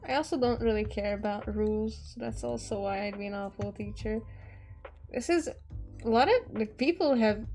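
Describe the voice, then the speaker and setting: A woman's voice: fairly high pitch, moderate pace, darkish tone, faint music behind. A woman whose first language is Hungarian, rambling casually as she draws, trailing off mid-thought and swearing now and then. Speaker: artist streamer. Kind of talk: casual commentary while drawing.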